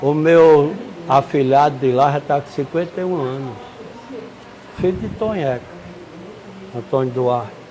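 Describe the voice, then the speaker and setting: Noticeable background noise sits behind a man with a fairly high pitch and ordinary pitch variation. He leaves long, frequent pauses. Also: fairly slow pace. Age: 80s+. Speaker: retired anesthesiologist. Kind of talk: interview storytelling.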